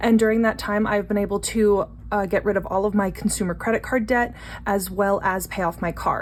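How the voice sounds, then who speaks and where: A woman talks at a medium pitch and a moderate pace. Her voice is somewhat breathy. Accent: American. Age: 30s. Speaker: budgeting YouTuber. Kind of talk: casual vlog monologue. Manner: conversational with frequent fillers.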